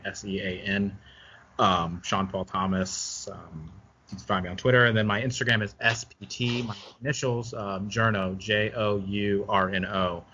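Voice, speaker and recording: A man's voice: lowish voice, pushed and bright, muffled recording, a little hiss or hum. A man, a freelance reporter on a podcast, speaking hesitantly with many ums. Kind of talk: casual chat.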